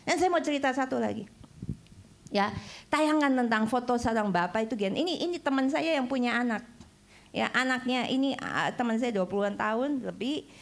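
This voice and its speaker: A woman evangelist preaching a sermon in church, animated, rising to exclamations and mixing in English phrases. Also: fairly high pitch, normal speed, creaky.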